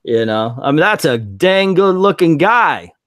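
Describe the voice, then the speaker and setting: Man, 40s, casual stream chat, lively self-mocking jokes, dry close mic. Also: fairly high pitch, a little slow, no room sound. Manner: joking, self-deprecating, animated.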